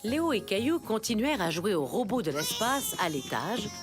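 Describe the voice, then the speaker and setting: A woman narrating a children's cartoon like a storybook, in an expressive storytelling manner. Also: medium pitch, moderate pace, music in the background, close to an everyday voice.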